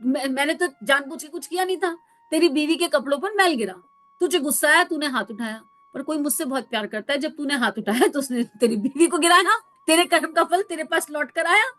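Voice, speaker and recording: A woman voicing a carefree, serene old male holy wanderer in a spoken parable, explaining calmly. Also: high-pitched, fairly quick, dry recording.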